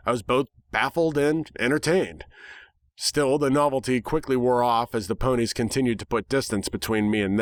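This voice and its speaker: A man narrating a first-person story dramatically, with a wry, sarcastic and animated delivery. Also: mid-range voice, dry recording.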